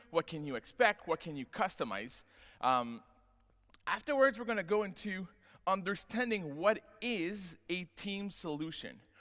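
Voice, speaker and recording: A man with a French accent speaks in a high, bright and sharp voice, his loudness swinging widely and his pitch leaping across a very wide range. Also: moderate pace. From Quebec, Montreal. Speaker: tech conference speaker, software product lead. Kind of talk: conference presentation. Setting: stage with audience.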